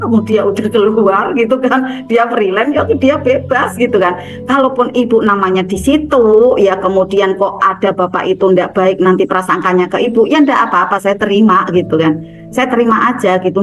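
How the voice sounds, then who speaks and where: A woman's voice: medium pitch, rough recording. A woman giving a casual self-development seminar talk, chatty and often acting out bits of dialogue. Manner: chatty, repeats "gitu kan", acts out dialogue.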